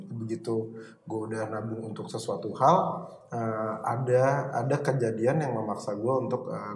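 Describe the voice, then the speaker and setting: Casual man in an echoey room. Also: on the low side. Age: 30s. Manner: relaxed, filler-heavy Jakarta slang. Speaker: director and videographer. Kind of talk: casual group chat. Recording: echoey room with long reverb, faint noise.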